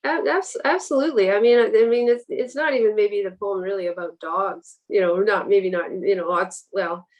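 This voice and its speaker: Woman, Canadian accent, medium pitch, halting conversational delivery, literary interview guest. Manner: hesitant, halting, searching for words. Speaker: guest writer and poet.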